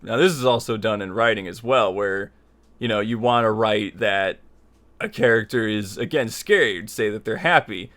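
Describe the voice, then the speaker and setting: A man's voice: on the low side, moderate pace, fairly bright tone. A man hosting a tutorial, explaining his opinions in a conversational, rambling way and repeating himself for emphasis. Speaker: tutorial series host. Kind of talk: informal spoken lesson, opinionated explanation.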